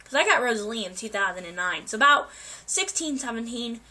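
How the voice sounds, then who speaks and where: A woman's voice: on the high side, animated, fairly quick, sharp tone. A young woman vlogger getting over a cold, chatting casually to her viewers with many ums and restarts. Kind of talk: casual life update to viewers.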